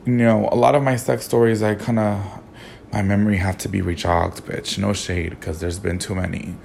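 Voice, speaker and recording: A hoarse young man with a sassy, campy manner, telling a personal story as a podcast host while sitting in a car. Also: on the low side, flat delivery, moderate pace, a little mellow, slight background noise. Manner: sassy, campy, swears a lot. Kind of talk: casual storytelling monologue.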